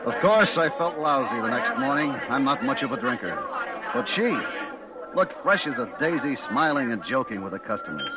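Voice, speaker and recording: Actor as a nervous radio suspense everyman, lively pitch. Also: moderate pace, over a noisy crowd, lightly acted. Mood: uneasy recollection. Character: nervous, easily tempted working man narrating his downfall. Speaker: narrator and lead character. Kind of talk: old-time radio suspense acting. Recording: muffled old radio recording, distant, music behind.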